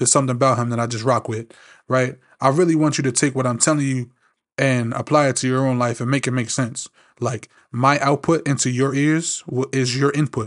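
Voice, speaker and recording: A man's medium-pitched voice with a New York accent, fairly quick pace, fairly even intonation and a quiet background. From New York City. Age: 30s. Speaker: podcast host. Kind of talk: motivational monologue. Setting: studio. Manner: casual.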